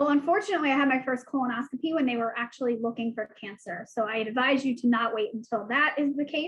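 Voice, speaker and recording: Talking at a very fast pace with hardly any pauses, a woman speaks in a high pitch. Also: ordinary pitch variation. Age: 30s. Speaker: patient advocate. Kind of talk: testimony.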